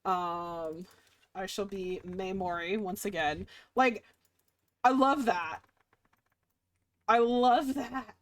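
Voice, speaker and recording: A woman's voice: mid-range voice, takes it slowly, long pauses, dry recording. Woman streamer reading a game aloud. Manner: dramatic first-person narration, giggly asides. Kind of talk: reading a visual novel aloud with commentary.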